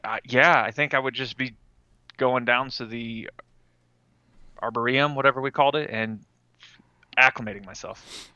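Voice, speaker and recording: Male game player, casual and tentative narration, bright edge, slightly muffled dry recording. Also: medium pitch, normal speed, pauses often, no echo.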